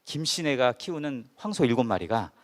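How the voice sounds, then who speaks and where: Male pastor, mid-pitched, animated storyteller with a lively, swinging pitch. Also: moderate pace. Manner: animated storyteller with rhetorical questions to the congregation. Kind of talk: sermon storytelling. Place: church service.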